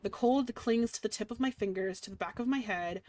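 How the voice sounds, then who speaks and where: A young woman reading a dark visual novel aloud in dramatic first person, breaking off for giggly asides. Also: mid-range voice, fairly quick, slight background noise. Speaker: streamer playing a game.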